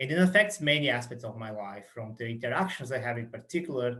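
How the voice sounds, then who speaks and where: A man's medium-pitched voice with a Brazilian accent and ordinary pitch variation. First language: Portuguese. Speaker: university lecturer. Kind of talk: conference talk. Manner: talkative, halting.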